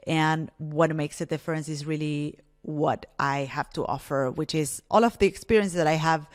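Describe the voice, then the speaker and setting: Earnest woman host, Spanish native speaker. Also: fairly low pitch. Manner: earnest, encouraging, with frequent restarts. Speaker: podcast host. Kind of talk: solo podcast monologue.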